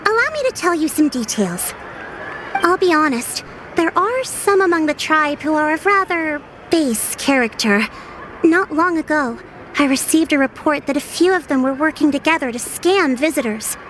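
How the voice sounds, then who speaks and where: A woman playing a composed, courteous female tribal chief in a video game, speaking in a formal, measured way. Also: high-pitched, animated, fairly bright tone, a little hiss or hum, rough recording. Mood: grave, explaining. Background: music.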